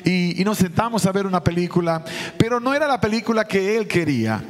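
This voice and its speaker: A man's voice: sits high, lively intonation, a little fast, big-room sound. A man preaching a sermon as a pastor, telling a personal story and acting out the dialogue.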